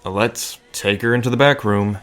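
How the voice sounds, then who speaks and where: A man's voice: on the low side, moderate pace, natural voice. A man playing an awkward, wry bartender and reluctant sidekick in an audio drama, hesitant and given to muttered asides. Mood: apologetic. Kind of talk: dramatic audio roleplay acting.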